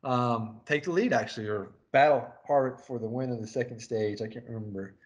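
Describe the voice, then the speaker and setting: A man in a relaxed interview chat, working as a crew chief and sitting down with his race engineer. He spins a rambling story at a mid-range pitch and breaks into laughter often. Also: a little fast.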